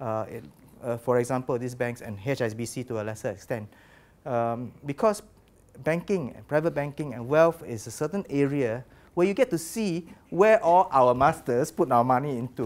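Lively intonation and big swings in loudness mark this man's speech at a medium pitch. He has a Singaporean accent and keeps a moderate pace. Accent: Singaporean English (Singlish). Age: 50s. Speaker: banker speaking at public forum. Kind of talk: public forum talk. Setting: stage with audience. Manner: halting. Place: meeting room. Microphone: lapel.

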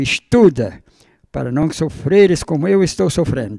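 Over a quiet background, a man with a fairly high pitch and a dark, mellow tone talks at a fairly slow pace in a dry sound with no echo. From Santa Catarina, Brazil. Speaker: rural workers' union president; interview guest. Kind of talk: TV interview. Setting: TV studio. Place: studio. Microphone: handheld.

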